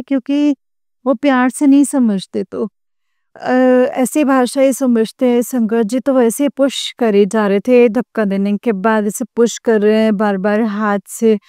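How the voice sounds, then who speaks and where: A young woman speaks in a mellow, smooth voice that sits a little high. She is sharing a personal testimony with a congregation and earnestly keeps addressing her listeners. The recording is dry and close. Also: no echo. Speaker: devotee sharing experience.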